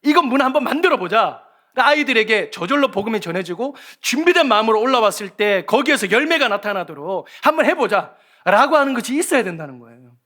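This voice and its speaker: A male pastor giving a lively sermon, telling stories and acting out the voices of children and teachers. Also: very high voice, fast talker. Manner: animated, acts out children's voices and shouts. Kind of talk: sermon with storytelling. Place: church sanctuary.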